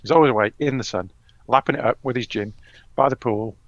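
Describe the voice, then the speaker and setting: A man's voice: medium pitch, fast, no room sound. Chatty male host, dull dry sound. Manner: chatty, rambling with many ums. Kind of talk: casual live-stream chat.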